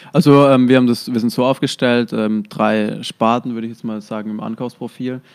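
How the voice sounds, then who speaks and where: A man's ordinary speaking voice at medium pitch, fairly quick with hardly any pauses, fairly even intonation, and big swings in loudness, on a very clean recording with a silent background. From Baden-Württemberg, near Heilbronn. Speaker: real estate investor. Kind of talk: interview.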